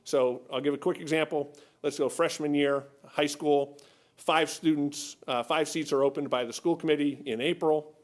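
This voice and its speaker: Guy walking a town board through budget numbers, patient, kinda high voice. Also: fairly even intonation, moderate pace. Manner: patient, explanatory, many restarts and "right?". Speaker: school finance official. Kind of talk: explaining budget at a public meeting.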